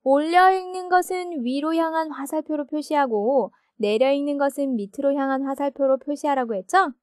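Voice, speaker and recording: A woman's voice: high-pitched, moderate pace, a little mellow, no room sound, studio quality, faint music behind. A woman teaching an English grammar lesson, explaining patiently and often asking check questions.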